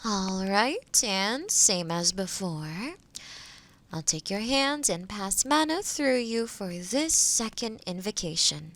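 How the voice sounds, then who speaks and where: A woman playing a kind, gentle witch in a fantasy audio roleplay, speaking to the listener in a reassuring, explanatory way. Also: mid-range voice, lively intonation, slow. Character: kind, gentle forest witch guiding a transformation.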